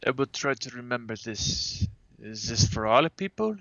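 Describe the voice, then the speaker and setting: A man plays an ancient, naive creature in a tabletop game, puzzled by humans. He speaks stiffly and formally in a bright, mid-pitched voice. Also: lively intonation, normal speed, dry recording, dull audio. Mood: puzzled, earnest. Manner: stiff, formal phrasing without contractions.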